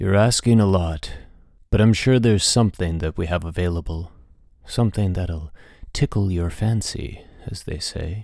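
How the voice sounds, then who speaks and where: Putting on a character voice, a man sounds husky and very deep, low in pitch, speaking at a moderate pace on a very clean recording with a silent background. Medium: read story. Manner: languid, smooth, ingratiating.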